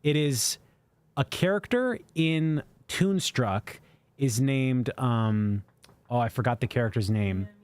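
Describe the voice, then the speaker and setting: A man's voice: mid-range voice, expressive, slow, a little mellow, smooth. A man co-hosting a casual livestream, reading out viewer super chats and answering with lots of fillers. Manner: rambling, reads super chats aloud with fillers. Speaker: co-host answering viewer questions. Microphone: studio microphone.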